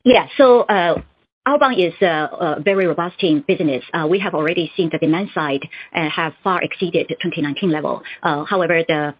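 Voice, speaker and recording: A woman executive giving formal, somewhat halting answers to analysts on an earnings call. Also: lowish voice. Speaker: company executive. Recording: muffled conference call audio.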